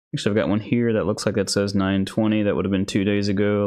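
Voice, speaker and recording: Against a quiet background, a man mumbles at a fairly low pitch. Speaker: music production streamer. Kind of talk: casual livestream tutorial. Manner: mumbling to himself.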